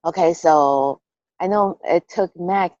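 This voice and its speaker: A woman's voice: fairly low pitch, slow pace, dark tone, no room sound. Taiwanese woman, candid, chatty storyteller. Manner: candid, laughing, with hesitant restarts and "okay" fillers. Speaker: interviewee. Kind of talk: casual interview. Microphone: call recording. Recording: dull lo-fi call audio.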